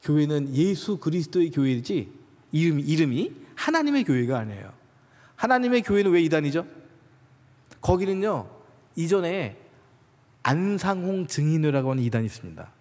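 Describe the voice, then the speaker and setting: A man preaching a sermon at a church retreat, telling stories with animated acted-out dialogue. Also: on the high side, moderate pace, long pauses. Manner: animated storytelling, acts out dialogues. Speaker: guest speaker at a church retreat. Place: church sanctuary. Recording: long church-hall reverb.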